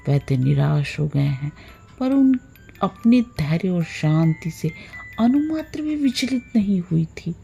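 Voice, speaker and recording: Low-voiced woman reading a story, slightly creaky. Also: warm tone. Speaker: storyteller reading short stories aloud. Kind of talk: scripted audiobook-style narration of a literary story.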